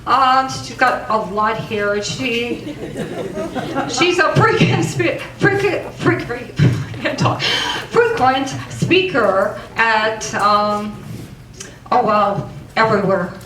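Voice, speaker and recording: A woman's voice: a little high, animated, very slow, crowd noise. A woman emceeing at a conference, introducing the speaker with giggles and stumbling over words. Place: conference hall with audience. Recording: echoey hall, far from the mic, audience noise.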